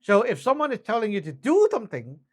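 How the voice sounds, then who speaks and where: Talking fast with huge swings in pitch, a notably high-voiced man teaches radio communication basics. He keeps the lesson casual and conversational, breaking things down step by step, acting out sample exchanges, and frequently tossing in short tag questions to check in.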